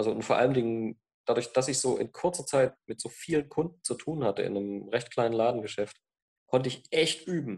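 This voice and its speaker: Using a normal speaking voice, a man delivers his words at a moderate pace and a medium pitch. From eastern Germany. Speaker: photographer and podcast co-host. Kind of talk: casual chat.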